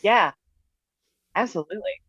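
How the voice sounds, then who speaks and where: A woman comedian hosting an interview, enthusiastic and quick to laugh. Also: medium pitch, expressive, fairly bright tone, breathy edge, dry recording, low-quality recording. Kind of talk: casual interview chat.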